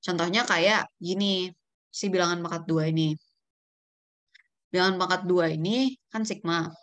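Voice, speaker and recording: A woman's voice: lowish voice, unhurried, a bit bright. A woman teaching math in a casual online lesson, thinking aloud and checking herself as she works through formulas. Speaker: olympiad math tutor.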